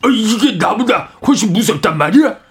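A woman voicing a proud male tiger in a radio quiz skit, huffing and shouting. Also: mid-range voice, animated, fairly quick, soft background music, close to an everyday voice. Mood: alarmed. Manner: loud, huffing and exclaiming. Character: blustering proud male tiger, easily scared.

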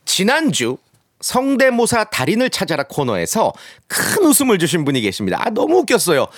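Animated male quizmaster, game show host style. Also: high-pitched, brisk, noisy background. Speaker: radio quiz co-host and question reader.

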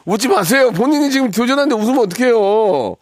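Fast, lively man hosting a call-in show. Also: very high voice. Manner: teasing, bossy, quick-talking. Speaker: radio show host. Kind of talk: casual radio call-in banter.

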